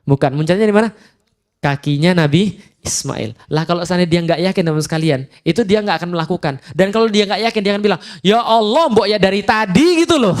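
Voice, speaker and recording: Man, high-pitched, preacher, casual lecture, animated storytelling, slow verse recitation. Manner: animated storytelling, acts out dialogue with jokes; quotes Quran verses slowly.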